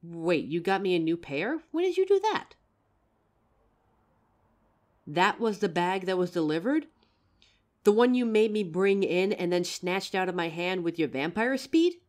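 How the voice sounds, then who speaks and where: A woman's voice: on the low side, very animated, normal speed, darkish tone. A young woman voicing an anxious, protective female werewolf who stammers and sighs as she talks to her partner. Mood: delighted. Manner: hesitant, stammering, sighing often. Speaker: voice actor in audio roleplay. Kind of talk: audio roleplay for a listener.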